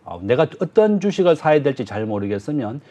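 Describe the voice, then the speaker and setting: A man, a business professor, giving measured economic commentary as a guest, with frequent filler pauses. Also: mid-range voice, very animated, dark tone.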